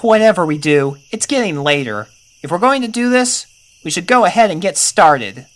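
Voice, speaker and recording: A man voicing young boy pony colts in a storybook reading, with a high child voice and expressive, uneasy chatter. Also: moderate pace. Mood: resigned resolve. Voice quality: high-pitched put-on child voice.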